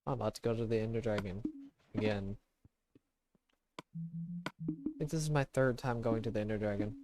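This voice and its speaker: Quiet-voiced man chatting over music. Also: lively intonation, normal speed. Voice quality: quiet, low-effort delivery. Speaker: game streamer. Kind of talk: casual live-stream chat while gaming. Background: background music.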